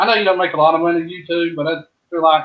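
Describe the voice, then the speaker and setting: This man has a Southern US accent and a high pitch. His intonation stays fairly even. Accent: southern drawl. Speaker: reseller guest. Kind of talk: casual panel chat.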